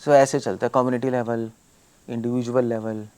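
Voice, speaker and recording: A man's voice: mid-range voice, level tone, moderate pace, darkish tone, clean tone. A man speaking as a monk, giving a devotional lecture to followers; emphatic, full of rhetorical questions, often mixing English words into his talk.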